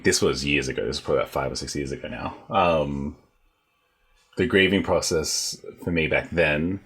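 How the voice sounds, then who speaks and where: A man's voice: rumbling low, a bit bright, breathy edge. A man with an Australian accent talking casually about personal experience as a panelist.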